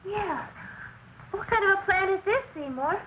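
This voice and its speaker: A woman's voice: very high voice, animated, measured pace. An actress playing a sweet, naive young shop girl in a girlish, wide-eyed voice. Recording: dull old film soundtrack with noise.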